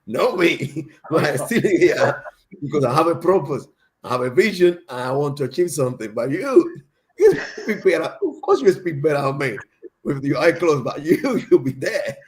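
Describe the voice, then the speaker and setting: A man's voice: on the high side, big pitch swings, normal speed, slight background noise. A man from Cuba with a Cuban Spanish accent, a native Spanish speaker, telling a story in casual chat with a lot of laughter.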